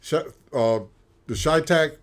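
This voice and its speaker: A man's voice: on the high side, slow, clear, resonant tone. A man co-hosting a livestream, explaining things in a matter-of-fact way with frequent restarts. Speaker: co-host, former sniper. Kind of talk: casual explanatory livestream talk.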